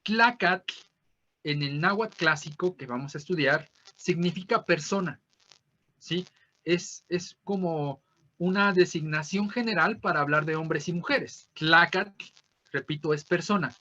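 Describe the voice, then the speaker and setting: Bright-voiced Mexican teacher, lo-fi call audio. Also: male voice, fairly high pitch. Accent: Mexican Spanish. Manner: explanatory, peppered with tag questions; repeats words slowly to model pronunciation. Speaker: language teacher. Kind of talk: online class lecture.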